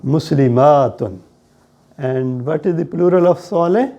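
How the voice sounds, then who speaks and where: A man with a South Asian accent teaching a grammar lesson in a deliberate, explanatory way, often checking with questions. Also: on the high side, highs cut off. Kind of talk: classroom lesson on Arabic grammar.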